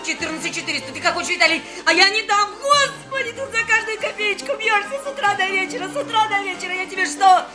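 A stingy middle-aged mother-in-law who nags and scolds. The voice runs high. Clear music plays beneath the radio play. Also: animated, quick pace, hardly any pauses. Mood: scolding. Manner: scolding, nagging. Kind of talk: Soviet radio play acting.

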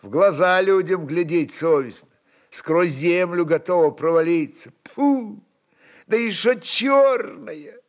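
A man's voice: sits high, lively intonation, takes it slowly, voice pushed up. A man voicing a scolding, grumbling Cossack wife with folksy rural speech. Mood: grumbling, indignant.

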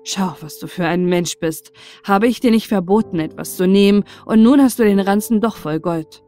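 A woman voicing a stern male saint in a fairy tale, measured and admonishing. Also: mid-range voice, mellow, soft background music, natural voice. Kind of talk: fairy-tale storybook character voice.

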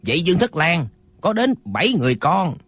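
A man acts out a cranky old swordsman with a short fuse, snapping back in a husky voice that leaps around in pitch. It sounds dry, right at the mic. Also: sing-song, fairly quick, fairly bright tone, no room sound, heavily acted. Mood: irritable. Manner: irritable, snapping. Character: hot-tempered old male martial eccentric.

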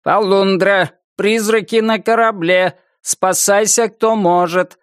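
A man's voice: high-pitched, steady tone, slow, smooth, no room sound, clean studio sound, pitched above the performer's own voice. A man reading an audiobook, voicing a metallic-voiced robot barker dressed as an old ship captain, calling out to passers-by. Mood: alarmed hollering. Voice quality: metallic, shouting.

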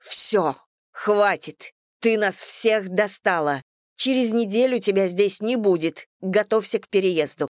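A woman's voice: mid-range voice, unhurried, dry recording, studio quality, natural voice. A woman voicing a stern wife and mother who speaks firmly and curtly in an audiobook. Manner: firm and curt.

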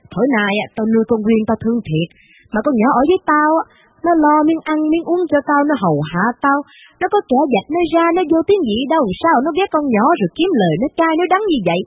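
Woman voicing a hot-tempered wealthy old matriarch, scolding, husky, dry tinny recording. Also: a little high, very animated, moderate pace, no echo, long reverb tail, exaggerated voice. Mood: angry. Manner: scolding, blunt, harsh. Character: rich old mother, domineering and quick-tempered.

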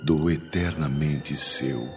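A man's voice: very deep voice, steady tone, takes it slowly, loud music behind the voice, heavily acted. A male actor with a Brazilian accent playing a desperate, obsessive older businessman in a radio soap opera, declaiming in florid, pleading style. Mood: anguished, threatening.

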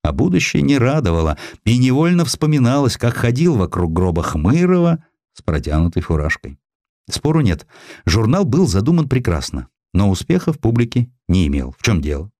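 A man's voice: mid-range voice, sing-song, normal speed, a little mellow, dry recording, studio quality. A man reading a historical sketch as scripted narration, as an audiobook narrator.

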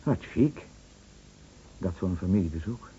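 Jealous husband, taunting and insinuating, mellow tone with animated pitch, old radio play. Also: male voice, moderate pace. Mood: sarcastic, taunting. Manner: sarcastic, insinuating, with emphatic repetitions. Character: bitter jealous husband, scornful and taunting, set on exposing lies. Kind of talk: radio drama acting. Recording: dull, noisy old radio play recording.

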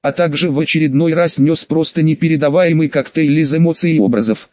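A man's voice: a little high, fairly quick, no echo, highs cut off. A man reading an audiobook in a wry, crude, conversational first-person manner. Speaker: audiobook narrator.

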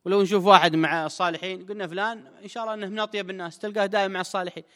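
A sheikh comments on a religious text with quick, emphatic colloquial speech. His voice sits high and bright. A long hall reverb trails his words. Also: fairly even intonation.

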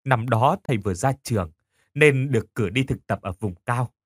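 A man's voice: medium pitch, normal speed, husky, no room sound, clean studio sound, natural voice. A man voicing a guilt-stricken male teacher who pleads and stammers, in a horror audiobook. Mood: confessing.

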